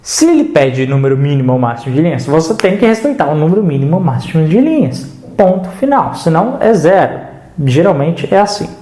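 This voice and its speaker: A man teaching an online writing lesson in Brazilian Portuguese, lively and casual, answering the students' doubts he voices himself. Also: a little high, a little fast, reverberant. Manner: addresses the viewer casually, checks in with "tá?".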